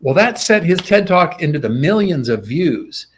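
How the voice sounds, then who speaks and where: A middle-aged man with a somewhat high voice, speaking as a guest in a relaxed interview. He tells stories with animation and slips into the voices of the people he quotes. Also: moderate pace, slight background noise. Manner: animated, acts out quoted dialogue. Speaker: guest, sword swallower. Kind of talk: casual interview storytelling.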